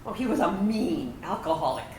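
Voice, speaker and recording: A woman's voice: on the low side, big pitch swings, fairly quick, darkish tone. A woman acting in a staged reading as a trans veteran and their inner self, reminiscing conversationally, wounded yet playful. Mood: wistful reminiscence. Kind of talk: staged reading of a personal narrative play. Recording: roomy, distant microphone, faint background noise.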